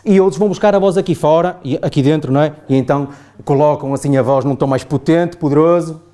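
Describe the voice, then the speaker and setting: A man's voice: on the high side, fast talker, mellow. A man with a European Portuguese accent giving a chatty classroom talk to adults, often asking the group "não é?". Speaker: trainer. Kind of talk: classroom lecture.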